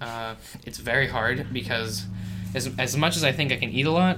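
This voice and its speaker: A man with a Canadian accent speaks at medium pitch, with noticeable background noise and audible room echo. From Vancouver Island, British Columbia, Canada. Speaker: podcast host, electrician. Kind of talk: casual chat.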